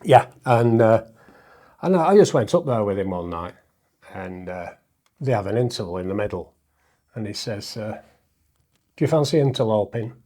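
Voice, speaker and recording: A middle-aged man from the north of England with a fairly low voice and a northern English accent. He talks like a guest poet in a casual interview, modest and self-deprecating. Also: expressive, normal speed, long pauses, mellow. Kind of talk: casual interview chat with poetry recital.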